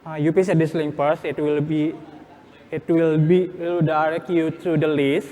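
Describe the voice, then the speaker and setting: A man presenting a hands-on workshop step by step in non-native-sounding English, halting and repeating his phrases. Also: fairly high pitch, level tone, mellow. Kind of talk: live hands-on tutorial, step-by-step instructions. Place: workshop room at a conference. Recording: echoey hall, background room noise.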